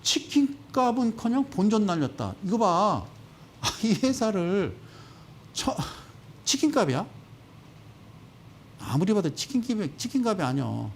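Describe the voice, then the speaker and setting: Animated sarcastic male stock commentator. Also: high-pitched, unhurried, gravelly, long pauses, slight background noise. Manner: animated, sarcastic, acts out quoted voices.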